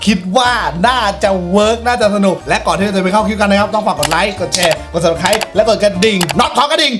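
A man's voice: high voice, quick pace, music in the background. A young man hosting and telling an improvised story in a playful way, teasing his friends. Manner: playful, swears at friends, laughs often. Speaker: host and storyteller. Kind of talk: casual improvised storytelling chat.

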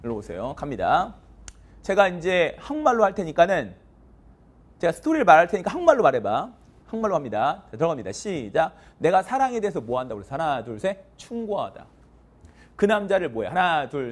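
Man, English teacher, husky, higher-pitched, calls out prompts and counts the class in. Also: a little fast. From South Korea. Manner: animated, call-and-response drilling with counts. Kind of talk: lively classroom lecture.

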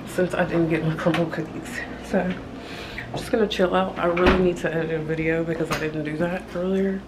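A middle-aged American woman chatting casually to camera as a vlogger in a hotel room. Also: low-pitched. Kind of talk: casual vlog chat, showing items to camera. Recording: clearly noisy room sound.

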